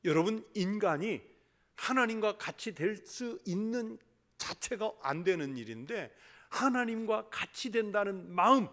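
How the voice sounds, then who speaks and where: A male pastor preaching a sermon, putting rhetorical questions to the congregation and dropping to a hush for emphasis. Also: sits high, lively intonation, measured pace.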